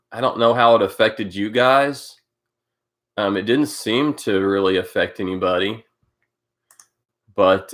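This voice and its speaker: Congested deep-voiced man hosting a live stream. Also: fairly bright tone. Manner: rambling, greeting viewers by name, many fillers. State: congested from a cold. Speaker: host of a live cycling update stream. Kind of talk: casual live-stream chat.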